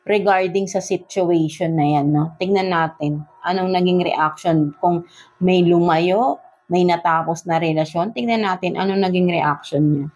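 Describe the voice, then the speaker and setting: Filipino woman, low voice, tarot reading. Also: fairly even intonation, measured pace, darkish tone. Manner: mixes Tagalog and English, tags nearly every phrase with "no?". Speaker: tarot reader. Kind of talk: casual love reading for zodiac signs.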